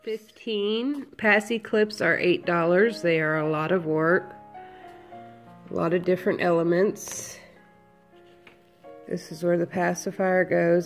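A woman with a cold, sniffling a little, slowly listing her handmade headbands for sale from home. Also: lowish voice, creaky. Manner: slow, unhurried item-by-item listing. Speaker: crafter selling handmade headbands. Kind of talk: casual product walkthrough.

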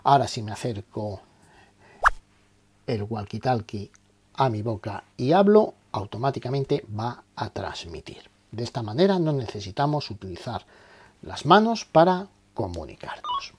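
With background noise behind him, a man with a mid-range voice narrates a tutorial one step at a time in a sing-song, slightly slow manner. He explains terms as a teacher would and asks questions before supplying the answers.

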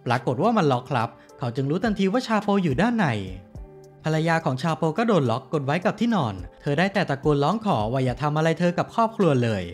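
Lively fast-talking man recapping a series. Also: fairly high pitch, soft background music. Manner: lively, chatty storytelling with polite particles. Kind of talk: casual scripted recap narration.

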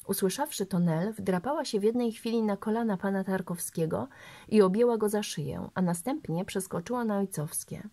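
A woman narrating a novel aloud in a steady, measured way. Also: mid-range voice. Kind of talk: audiobook reading of a novel.

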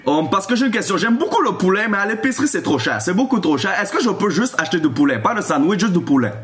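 A man's voice: high voice, very animated, quick pace, a bit bright. A young man with a Quebec French accent making casual prank calls and bantering as a video host. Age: young adult. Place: small room indoors.

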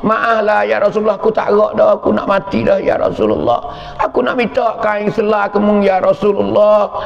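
A tearful dying wife pleads in a raised, gravelly voice, as a Pattani Malay preacher puts her on. The sound is dull and lo-fi and rings through a big echoing hall. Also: sits high, expressive, moderate pace, pitched above the performer's own voice. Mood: pleading, tearful. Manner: tearful, repeated pleading address.

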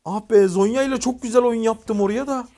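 A man voicing his own mobile game match, talking loosely to himself and his team. He drifts between muttered thinking and loud, excited calls for the team to attack. The sound is close and casual, like a streamer at his desk. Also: very high-pitched, a little fast. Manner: excited shouting at teammates; chatty, swears casually. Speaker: gaming YouTuber. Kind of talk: live gameplay commentary.

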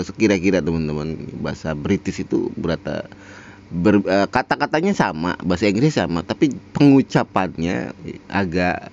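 A man hosts a casual reaction commentary, rambling with plenty of fillers and frequent chuckles. His voice sits low with a darkish tone, and the recording sounds muffled.

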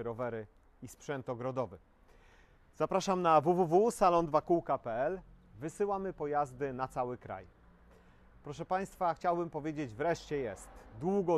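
A man in his forties presenting a dirt bike to camera outdoors, listing specs in a steady sales pitch with frequent filler sounds. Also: dry recording. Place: outdoors in front of a shop wall.

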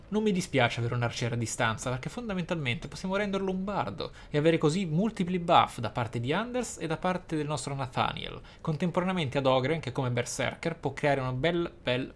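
A man hosting a roleplay let's play, speaking in deliberate, formally worded, articulate commentary. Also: fairly high pitch, animated, slight background noise. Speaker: gamer, let's play host. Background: video game ambience.

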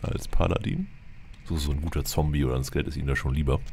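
A man's voice: a bass voice, fairly even intonation, quick pace, creaky, darkish tone. A man giving casual, wry gameplay commentary with a bit of roleplay, muttering to himself as he plays. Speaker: let's play host. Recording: noticeable background noise, game ambience. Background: video game ambience.

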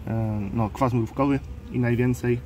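Male beekeeper vlogger, mid-range voice, relaxed off-the-cuff delivery outdoors on a phone mic, faint bee buzz behind. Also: mid-range voice, a little hiss or hum. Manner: unhurried, thinking aloud with fillers. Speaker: beekeeper and channel host. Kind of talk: casual hands-on explainer vlog. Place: outdoors at beehives. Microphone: handheld phone camera. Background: faint outdoor ambience with buzzing bees.

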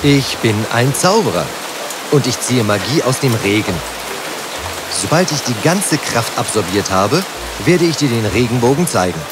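A man's voice: medium pitch, big pitch swings, moderate pace, close to an everyday voice. A man voicing a confident, cunning young tailor hero in a children's fairy tale, boastful and self-assured. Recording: music behind the voice.

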